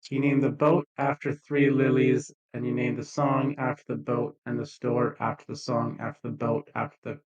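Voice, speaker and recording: A man's voice: mid-range voice, little pitch movement, normal speed, few pauses, over a noisy crowd. Casual man, slightly dull lo-fi sound. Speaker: tabletop game player. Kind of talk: casual improvised banter.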